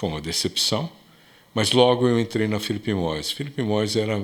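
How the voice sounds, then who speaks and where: Pitched fairly low, a man with a plain, everyday voice talks at a moderate pace with ordinary pitch variation on a very clean recording with a silent background. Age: 60s. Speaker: finance executive. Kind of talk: interview.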